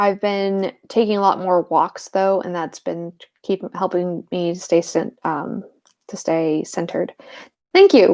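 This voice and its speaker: A woman with an unremarkable speaking voice talks at medium pitch, fairly slowly, with fairly even intonation. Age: 20s. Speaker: book youtuber live streamer. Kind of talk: casual live-stream chat. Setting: home live stream.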